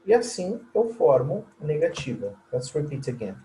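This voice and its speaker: A Brazilian man teaching English in a recorded lesson, explaining in Portuguese and modeling English sentences slowly and clearly, with friendly check-ins to the class. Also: on the high side, sing-song, mellow, a little hiss or hum, low-quality recording.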